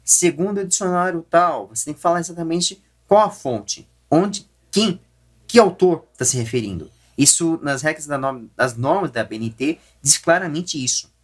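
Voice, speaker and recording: Halting Brazilian man explaining his views. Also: on the high side, animated. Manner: halting, explanatory, frequent self-corrections. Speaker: YouTube host. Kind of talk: opinion commentary to camera.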